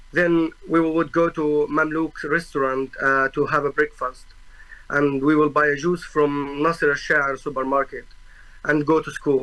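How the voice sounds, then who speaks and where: Speaking fairly slowly with fairly even intonation, a man with a Palestinian accent has a fairly high pitch and a bright, sharp tone. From Gaza, Palestine. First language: Arabic. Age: 20s. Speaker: journalist. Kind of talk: tribunal testimony. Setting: remote video call.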